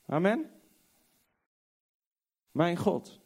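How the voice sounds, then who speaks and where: A man preaching a sermon, reading scripture slowly and swinging from loud, high exclamations to hushed, low tones. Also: sing-song. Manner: reads scripture aloud slowly and emphatically.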